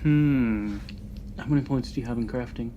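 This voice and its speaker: Very low-voiced woman game master. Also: moderate pace, warm tone, dull audio, a little hiss or hum. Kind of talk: casual tabletop game refereeing.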